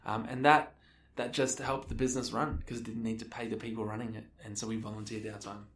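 A man's voice: fairly low pitch, little pitch movement, quick pace, a bit bright. A thirty-year-old Australian man giving casual, informal answers as an interview guest. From Melbourne, Australia. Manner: informal, conversational, peppered with "like" and "you know". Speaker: interview guest, social enterprise co-founder. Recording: echoey room, distant from the mic.

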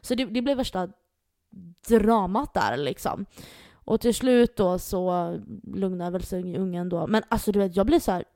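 A young woman co-hosting a casual podcast chat, telling stories with plenty of swearing and lively retellings. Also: mid-range voice, no room sound, clean studio sound. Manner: storytelling, swearing, animated retellings. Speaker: podcast co-host.

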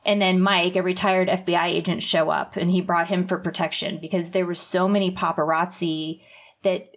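A woman's voice: fairly low pitch, level tone, normal speed. A young woman co-hosting a podcast, retelling a story in a chatty way with lots of fillers and laughs. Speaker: podcast co-host. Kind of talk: casual chat, retelling a memoir.

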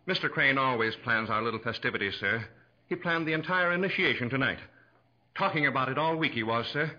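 An actor playing a polite, earnest, servile club steward with formal manners in a 1940s radio drama. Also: male voice, mid-range voice, lively intonation, a little fast, bright, forceful tone. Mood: deferential. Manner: formal, deferential. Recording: dull lo-fi 1940s radio recording.

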